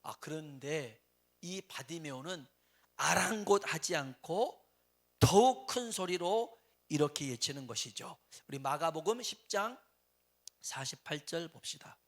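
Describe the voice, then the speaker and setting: A man preaching a sermon as pastor, acting out the people in the story and swinging from hushed asides to loud cries. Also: fairly high pitch, animated, unhurried. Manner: dramatic, acts out quoted voices, swings between hushed and loud. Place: church.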